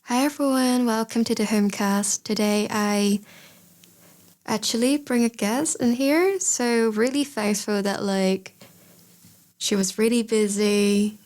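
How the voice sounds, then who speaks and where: A woman's voice: a little high, steady tone, unhurried, a little mellow. A woman hosting a casual podcast interview, chatty and encouraging, with non-native phrasing. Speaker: podcast host.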